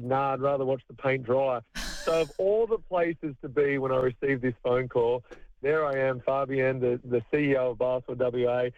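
A man's voice: mid-range voice, dry recording. Australian man telling stories over a phone line. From country New South Wales, Australia. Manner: chatty storyteller, laughs often. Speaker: retired basketball player, interview guest. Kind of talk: radio phone interview. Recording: tinny phone line, dry.

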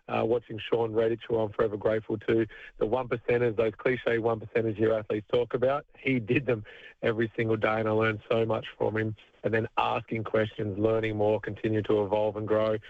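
A man's voice: on the low side, dry recording. A man in his thirties from country New South Wales with an Australian accent, a retired basketball player telling stories with a laugh as a radio guest. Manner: chatty storyteller, laughs often. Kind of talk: radio phone interview. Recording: tinny phone line, dry.

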